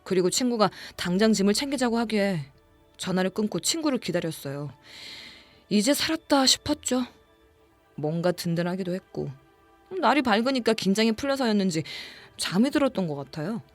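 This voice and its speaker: A woman playing a frightened young woman who recounts a ghost story in a hushed, confiding, suspenseful way. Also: mid-range voice, expressive, brisk, faint music behind, lightly acted. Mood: shaken recounting. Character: frightened young woman recounting her haunted rented room. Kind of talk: dramatic first-person horror audiobook narration.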